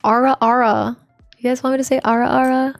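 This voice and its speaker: A woman livestreamer with a soft, quiet voice, chatting informally and playfully with viewers and swearing now and then. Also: level tone, a little fast, gravelly, dry recording. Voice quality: soft, low-volume voice, unlike their usual loud one. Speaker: live streamer. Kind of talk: casual livestream chat with viewers. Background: faint music.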